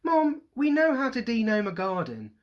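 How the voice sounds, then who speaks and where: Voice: mid-range voice, huge pitch swings, moderate pace, dull audio, voice pushed up. A teacher reading aloud, voicing a cheeky teenage boy in a jaunty, slightly raised voice. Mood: pleading.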